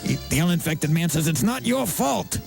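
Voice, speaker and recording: A man's voice: on the high side, lively intonation, normal speed, vocal fry, music in the background. A man playing a brash security guard who wants to be a stand-up comic, telling jokes theatrically on morning radio. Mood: gleeful joke-telling.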